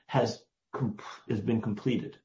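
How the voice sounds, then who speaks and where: Low-voiced older man, emphatic. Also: steady tone, warm tone. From United States. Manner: deliberate, emphatic, lingers on key words. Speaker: guest historian. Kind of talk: interview answer, storytelling. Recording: roomy, dull lo-fi sound.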